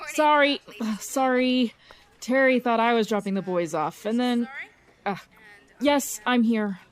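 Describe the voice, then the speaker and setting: An actress playing a flustered, apologetic police detective in an audio drama. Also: female voice, on the high side, takes it slowly. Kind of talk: full-cast audio drama acting.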